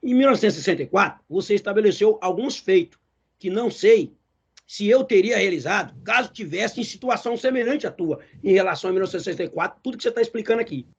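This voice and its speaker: A man's voice: high voice, lively intonation, fast, husky. A man in his fifties with a Brazilian Portuguese accent, a talkative former athlete interviewing a guest. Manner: talkative, self-described loudmouth. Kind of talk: interview questions. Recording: dull lo-fi recording.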